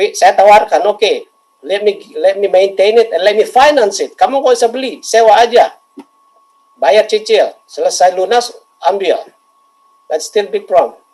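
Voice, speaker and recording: A man speaks in an Indonesian accent at a moderate pace. Long pauses come often. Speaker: webinar speaker, energy entrepreneur. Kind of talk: webinar Q&A answer. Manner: animated.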